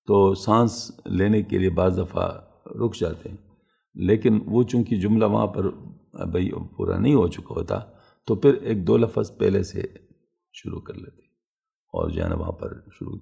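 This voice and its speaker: A man with a low, heavily gravelly voice teaches a religious lesson. His tone is dark and husky, and he explains methodically and patiently, one point at a time.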